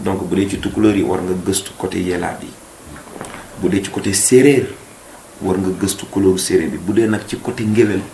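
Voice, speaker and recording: In a casual interview chat, a male singer speaks earnestly as a guest, moving between French and Wolof. His voice sits low and is slightly mellow. The room is echoey, with faint background noise.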